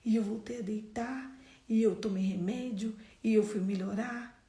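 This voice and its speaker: A Brazilian woman leading a devotional, preaching with emphatic, exhortative drive and sudden loud bursts. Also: medium pitch, steady tone, moderate pace. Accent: Brazilian Portuguese. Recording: echoey room.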